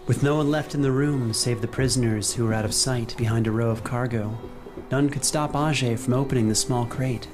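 A man narrating a horror fiction podcast as game master, in a measured, formal storytelling manner. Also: medium pitch, steady tone. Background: music.

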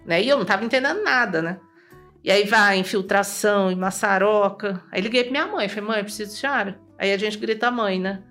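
A Brazilian woman as an interview guest, telling a personal story in a lively way, acting out remembered dialogue and often tagging her sentences with "né?". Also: medium pitch, fairly quick, faint music behind. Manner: lively, acts out remembered dialogue, tags lines with "né?".

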